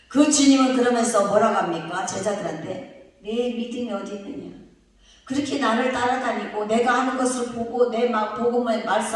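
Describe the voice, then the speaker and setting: A woman pastor giving a lively sermon, posing rhetorical questions to her congregation. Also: fairly high pitch. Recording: echoey hall, distant mic, faint hiss.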